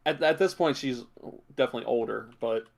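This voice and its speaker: A man's voice: mid-range voice, fairly quick, vocal fry. A man co-hosting a podcast, chatting casually about films and shows, thinking aloud as he goes. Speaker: podcast co-host.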